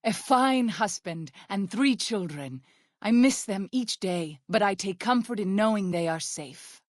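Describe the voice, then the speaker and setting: An actress playing an earnest, devout tribal midwife and healer in a video game, speaking in formal, measured, reverent phrases. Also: female voice, medium pitch, expressive, no room sound, clean studio sound. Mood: earnest, concerned. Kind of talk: video game character dialogue.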